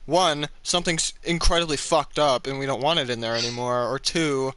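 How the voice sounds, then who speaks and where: A man's voice: mid-range voice, steady tone, fairly quick, fairly bright tone, no room sound. A man hosting a casual podcast, cursing freely and joking while reading fan fiction. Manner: profane, joking, easily laughing. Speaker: podcast host.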